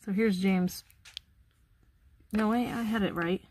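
A woman's voice: medium pitch, fairly even intonation, slow pace, darkish tone. A middle-aged woman hosting a casual unboxing video, chatting as she unpacks and names each item in an indoor workroom. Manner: chatty, narrates items as she unpacks them. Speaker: host of a resale channel. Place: indoor workroom with tables and boxes. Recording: clear background noise with clicks.

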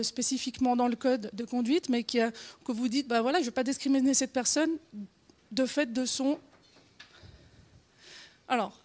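Woman, 40s, Genevan Swiss accent, conference speaker, slightly high voice, halting with fillers. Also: a little mellow. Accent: Genevan Swiss French. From Switzerland. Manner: hesitant, frequent fillers and restarts, laughs often. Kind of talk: informal conference talk.

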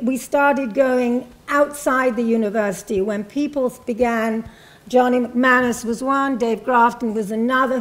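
An older woman from England, a panelist, speaking in a reflective, measured way about her past, with frequent ums and restarts, in a university hall. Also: fairly high pitch. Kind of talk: personal recollection at a panel talk. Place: university hall with a seated audience.

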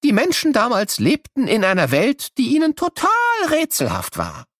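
A man's voice: high-pitched, wildly swooping pitch, normal speed, no echo, studio quality, voice pushed up, full character voice. A man voicing an eccentric, jokey old professor who playfully teases and quizzes children in an educational audio play. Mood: playful, teasing. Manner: playful, teasing, full of questions and chuckles.

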